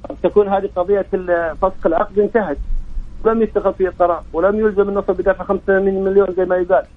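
Male Saudi phone-in caller, rapid-fire and insistent, thin telephone sound. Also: high-pitched, level tone. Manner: insistent, argues with rhetorical questions. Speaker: caller to a sports show. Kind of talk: opinionated phone-in discussion. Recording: narrow, tinny phone line.

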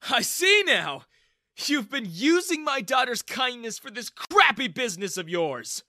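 Narrator putting on a furious bullying father, high and loud, lively swings, bright tone, dry sound. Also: moderate pace, no echo, full character voice. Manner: sneering, shouting. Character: scornful middle-aged father, a bully.

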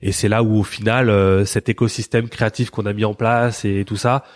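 A man's voice: fairly low pitch, level tone, a little fast, no echo, clean studio sound. A man from the Paris area, a creative agency co-founder, chatting in an interview and talking hesitantly with many fillers and restarts. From France, Paris area. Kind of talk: casual interview chat.

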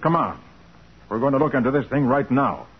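An actor playing a resolute, fair-minded private detective with an American accent, firm and earnest in 1940s radio style. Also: male voice, mid-range voice, sing-song, brisk, soft background music, lightly acted. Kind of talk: 1940s radio drama acting. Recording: muffled vintage 1940s radio recording.

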